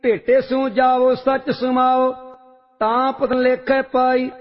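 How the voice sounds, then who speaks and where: A man reciting religious hymns in a measured, sing-song chant. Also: very high-pitched, level tone. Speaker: scripture reciter. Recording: long reverb, dull lo-fi sound, faint music.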